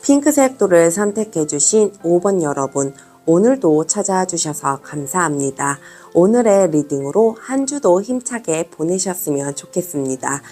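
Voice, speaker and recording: Soft-spoken woman giving a tarot reading. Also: fairly low pitch, lively intonation, moderate pace, few pauses. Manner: gentle, reassuring, addresses viewers warmly as a group. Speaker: tarot reader. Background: faint background music.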